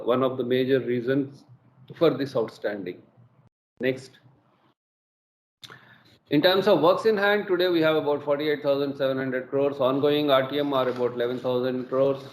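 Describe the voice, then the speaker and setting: A middle-aged man with an Indian English accent presents quarterly results on an earnings call, measured and full of hesitations. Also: medium pitch, a little mellow, slight background noise. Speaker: company executive presenting results. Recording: echoey room with faint ambience.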